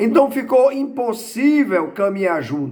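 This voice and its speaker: This man speaks at a fairly slow pace. His pitch swings very widely. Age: 60s. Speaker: pastor. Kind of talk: sermon.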